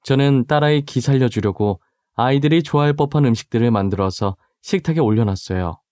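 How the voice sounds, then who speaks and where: A man reads a first-person story in an even, subdued voice of middle pitch. The delivery is steady and scripted. The recording is dry and close to the mic. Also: clean tone, no echo. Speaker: story narrator.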